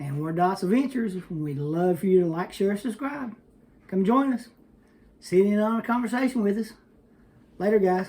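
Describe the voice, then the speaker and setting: Loud and lively, a man speaks at a moderate pace in a dark, mellow tone pitched high, with long, frequent pauses. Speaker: podcast co-host. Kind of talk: casual chat.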